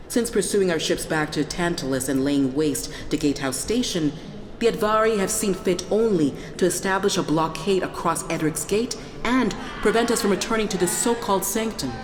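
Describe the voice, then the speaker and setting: Firm Prime Minister female actor, deep register, composed, formal, reverberant chamber, audio drama. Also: background noise, lightly acted. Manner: measured, formal, resolute. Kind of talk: sci-fi audio drama parliamentary speech. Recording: echoey hall, music behind.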